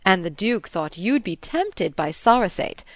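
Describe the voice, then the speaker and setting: A woman's voice: mid-range voice, sing-song, a little slow, no echo, studio quality. A woman voicing a flamboyant older society hostess with a round, rolling voice and a brash, effusive manner. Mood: gushing. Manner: effusive, brash, hail-fellow. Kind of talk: audiobook character voice.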